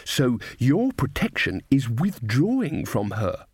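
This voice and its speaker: Man doing commanding woman, mirror spirit, gloating, very slow, dry sound. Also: mid-range voice, wildly swooping pitch, darkish tone, breathy edge, no room sound, full character voice. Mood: imperious.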